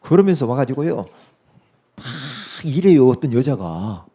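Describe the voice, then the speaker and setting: A middle-aged man preaching a sermon, swinging from loud emphatic peaks to hushed asides and acting out dialogue in his stories. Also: medium pitch, sing-song, measured pace, husky. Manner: acts out quoted dialogue in his story. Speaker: pastor. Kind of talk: sermon with storytelling.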